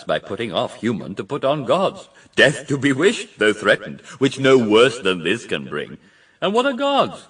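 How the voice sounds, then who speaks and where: An actor playing a sly, grandiose serpent tempter in a classical verse radio drama, impassioned and theatrical, full of rhetorical persuasion. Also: male voice, medium pitch, a bit bright, slightly rough, distant mic, full character voice. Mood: sly, reasoning.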